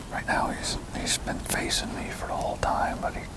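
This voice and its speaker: Whispering with audible room echo and noticeable background noise. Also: man. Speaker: hunter. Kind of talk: field update. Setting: outdoors in a tree stand.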